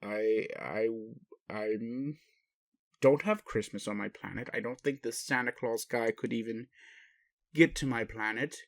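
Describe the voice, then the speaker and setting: Man playing a gentle, bemused alien daddy, close and dry. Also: medium pitch, dry recording, natural voice. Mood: incredulous, musing. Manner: indulgent and bemused, with drawn-out questioning and hesitations. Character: gentle, puzzled alien daddy, adult male spaceship commander. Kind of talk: intimate roleplay audio, speaking to one listener.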